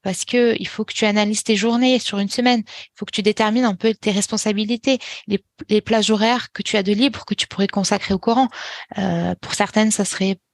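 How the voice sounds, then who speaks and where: Calm woman teacher giving advice, dry sound. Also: medium pitch, fairly quick, no room sound. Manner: calm and instructive, many small restarts and fillers. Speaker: Quran teacher. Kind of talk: podcast interview, giving advice.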